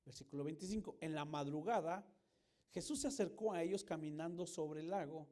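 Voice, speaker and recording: A male pastor giving a lively sermon in a church, joking with the congregation and acting out scenes. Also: on the high side, brisk. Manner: animated, jokes with the congregation, acts out voices and screams. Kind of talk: lively sermon with acted-out anecdotes.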